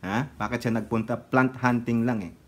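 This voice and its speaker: A political commentary vlogger with a Filipino accent speaks in a mid-range voice, flat in delivery and moderately paced. His commentary is sarcastic and casual, and he laughs often and sings snatches of songs.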